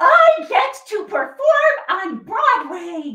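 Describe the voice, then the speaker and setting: In a cartoonish character voice, the speaker talks very slowly at an extremely high pitch with very wide pitch swings. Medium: puppet. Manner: upbeat.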